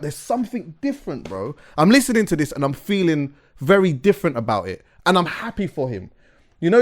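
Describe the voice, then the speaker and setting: A man's voice: medium pitch, darkish tone. A man co-hosting a podcast, talking earnestly in casual chat and restarting words as he goes. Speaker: podcast co-host.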